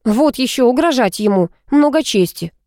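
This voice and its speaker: A woman's voice: high voice, lively intonation, normal speed, no room sound, clean studio sound, pitched above the performer's own voice. A woman voicing an irritable, stubborn young female student who talks back sharply. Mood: indignant. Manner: snappish, sharp-tongued.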